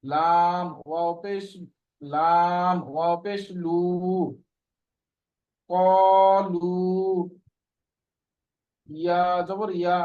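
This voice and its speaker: A male student in an online class, reciting Quran letters slowly and carefully, letter by letter. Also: high-pitched, flat delivery, lo-fi sound. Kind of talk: spelling out Quran letters aloud.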